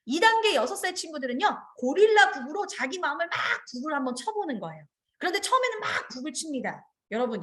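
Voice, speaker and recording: A middle-aged woman who trains early childhood educators gives an online teacher training lecture. She has a high, lively voice and animatedly acts out lines from both children and teachers.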